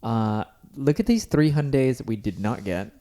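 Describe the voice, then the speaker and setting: A man's voice: medium pitch, lively intonation, moderate pace, warm tone. A man co-hosting a casual podcast, chatty and wry, often trailing off mid-sentence. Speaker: podcast co-host. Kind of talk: casual chat.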